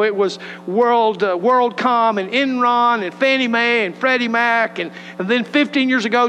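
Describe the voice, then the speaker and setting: A man's voice: very high-pitched, a bit bright, in a large hall, a little hiss or hum, rough recording. A man with a West Texas accent, preaching and praying as a pastor in a folksy, earnest way. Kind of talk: sermon with prayer and scripture reading. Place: church sanctuary.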